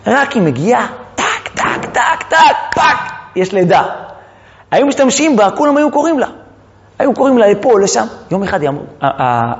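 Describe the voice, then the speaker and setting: Man preaching, high and lively voice, long hall reverb, muffled sound. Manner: questions the audience, swings between loud calls and hushed lines. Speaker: Torah teacher. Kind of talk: animated religious lesson.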